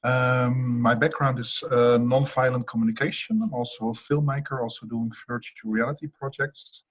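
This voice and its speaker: Man from the Netherlands, mid pitch, searching for words, lo-fi call audio. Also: fairly even intonation, normal speed. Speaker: participant. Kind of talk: casual self-introduction. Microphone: video call.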